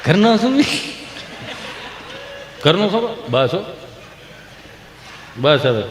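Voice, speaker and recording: A male stand-up comedian from Gujarat, telling folk jokes and acting out villagers in high voices. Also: sing-song, takes it slowly, a little hiss or hum. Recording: echoey live stage hall.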